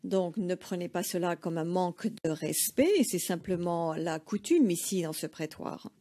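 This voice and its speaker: Une femme interprète de tribunal, qui traduit en simultané avec un débit mesuré et des hésitations fréquentes. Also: female voice, fairly low pitch, lively intonation, dark tone. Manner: measured, hesitant with frequent fillers. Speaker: courtroom interpreter.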